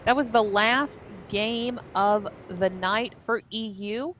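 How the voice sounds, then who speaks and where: A woman's voice: medium pitch, takes it slowly, fairly bright tone, slight background noise, poor audio. A woman co-hosting an esports stream, explaining the schedule, giveaways and fights in an upbeat, organized way. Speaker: esports co-caster. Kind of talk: casual esports commentary.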